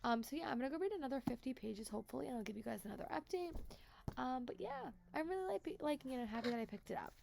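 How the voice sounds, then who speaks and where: A woman's voice: sits high, expressive, very fast, creaky, a little mellow, slight background noise. A woman book vlogger with a stuffy cold, chatting casually and repeating words with lots of fillers. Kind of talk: casual chat to camera.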